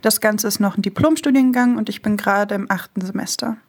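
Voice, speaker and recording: A woman's voice: medium pitch, a little fast. A woman art student giving a plain, matter-of-fact self-introduction.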